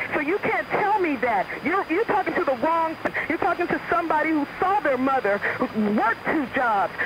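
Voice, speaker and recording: Speech in an American accent comes at a moderate pace with very wide pitch swings. Noticeable background noise is present. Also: woman. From Compton, California. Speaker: caller. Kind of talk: heated debate. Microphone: phone line.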